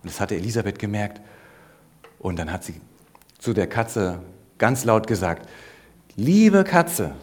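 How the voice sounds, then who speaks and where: Husky man telling a children's story. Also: on the low side, moderate pace, long pauses. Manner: addresses children directly with questions. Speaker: preacher.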